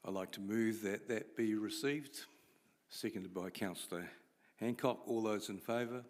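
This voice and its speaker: New Zealand man chairing a council meeting. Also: lowish voice. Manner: procedural, halting with fillers. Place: large council chamber. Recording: long reverb of a council chamber.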